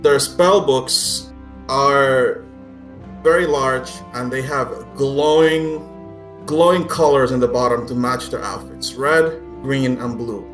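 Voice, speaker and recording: Slow-paced man running a tabletop game. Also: medium pitch, fairly bright tone, soft background music. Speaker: game master. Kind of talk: improvised tabletop game narration.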